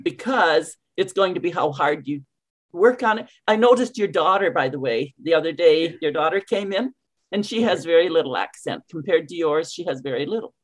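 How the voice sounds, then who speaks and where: An older Canadian woman coaching English on a video call, speaking with crisply enunciated words and an emphatic, storytelling manner. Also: low-pitched, animated, normal speed. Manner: warm, emphatic, storytelling, with clearly articulated words. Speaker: ESL coach.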